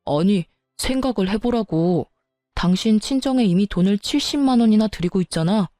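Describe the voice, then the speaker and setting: A defensive young husband who argues back and dodges blame, voiced by a woman narrator. The tone is mellow and the sound is close and dry. Faint music plays underneath. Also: mid-range voice, animated, moderate pace, no room sound, natural voice. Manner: defensive, argumentative.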